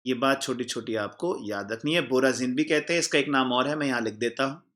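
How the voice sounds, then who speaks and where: A man's voice: mid-range voice, fairly quick. A man teaching an exam-prep chemistry class, repeating key points, quizzing the class and answering himself. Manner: calls the students "children" warmly.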